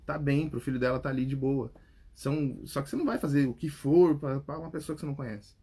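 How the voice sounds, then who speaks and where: A man's voice: mid-range voice, steady tone, fast, dark tone, husky. A man with a Brazilian accent, a public speaking coach answering viewer comments in a casual podcast, talking straight to the viewer and checking in with "right?" after his points. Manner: talks straight to the viewer, tags lines with "tá?" and "né?".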